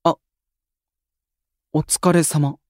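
A man playing a modest, sensitive young male idol in an anime-style audio drama, speaking softly and politely with some hesitance. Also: a little high, level tone, extremely slow, no room sound, studio quality. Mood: surprised.

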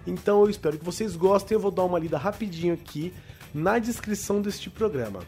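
A man's voice: sits high, quick pace, darkish tone, faint music behind. A Brazilian man talking casually as a podcast host, recommending a show.

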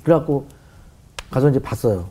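A man's voice: mid-range voice, animated, a little fast, mellow, breathy edge. A middle-aged man telling a story from his life as a talk show guest, acting out voices and sound effects as he goes.

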